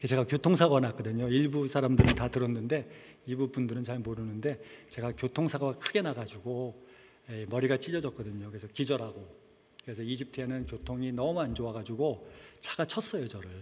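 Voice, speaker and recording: A man's voice: mid-range voice, brisk, darkish tone, slight background noise. A middle-aged man, a missionary, giving a conversational sermon with personal testimony and dropping English words into his speech. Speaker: missionary preacher. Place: church sanctuary. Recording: long church reverb.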